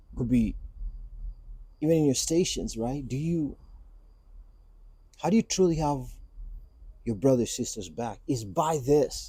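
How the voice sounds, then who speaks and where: A man speaks slowly with a dark, mellow tone that is somewhat breathy. His intonation is lively, broken by long, frequent pauses. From Kenya. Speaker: firefighter. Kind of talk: casual interview. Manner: animated.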